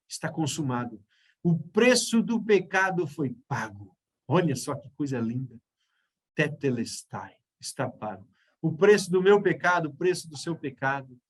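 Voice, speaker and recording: Man, Brazilian Portuguese accent, Bible study teacher, high-pitched, explanatory, checks in often.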